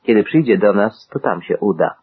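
A man voicing a devout, pleading woman, keeping his own husky voice and measured reading manner, over a tinny radio-like sound. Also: on the low side, animated. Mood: earnest.

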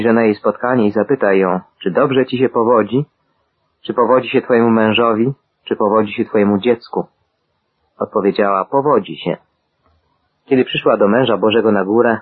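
A man giving a steady, measured Bible reading, voicing the quoted dialogue in the same even manner. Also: fairly low pitch, husky, phone-quality sound. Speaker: scripture reader.

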